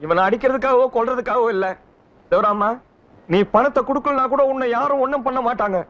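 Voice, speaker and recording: An actor playing a loud, aggrieved man who chases a friend for a debt, blustering and scolding in a film comedy. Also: extremely high pitch, fairly quick. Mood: threatening. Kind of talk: 1990s film comedy acting. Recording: dull film soundtrack with music.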